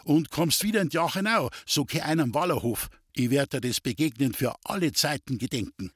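A man's voice: medium pitch, lively intonation, brisk, a bit bright, husky, dry recording, clean studio sound. A male narrator playing a hearty, blunt Bavarian soldier with a Bavarian accent.

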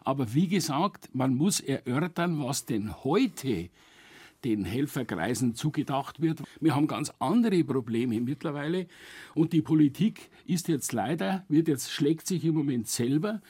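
A man's voice: fairly high pitch, expressive, a little slow, darkish tone, slightly rough, no room sound. A middle-aged man, a longtime refugee volunteer, criticising policy bluntly as a studio guest and often stumbling and correcting himself. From Germany. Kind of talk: studio radio discussion. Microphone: studio microphone.

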